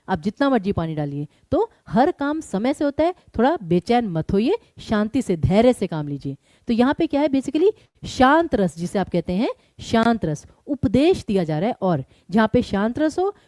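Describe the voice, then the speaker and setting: A woman teaching an online exam-prep lesson, quizzing her students and explaining each answer briskly. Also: medium pitch, dark tone, no echo, studio quality.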